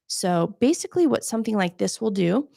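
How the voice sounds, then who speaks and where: A soft-voiced woman hosting a live podcasting Q&A, chatting casually while she shows gear on camera. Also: medium pitch, expressive, fairly quick, creaky, no echo, clean studio sound. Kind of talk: casual live-stream tutorial.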